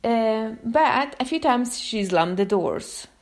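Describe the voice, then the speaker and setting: A woman from Italy with an Italian accent, a therapist talking through a casual live monologue, chatty and given to sudden pitch jumps when she acts out quotes. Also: expressive, takes it slowly, a little mellow. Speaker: therapist and podcast host.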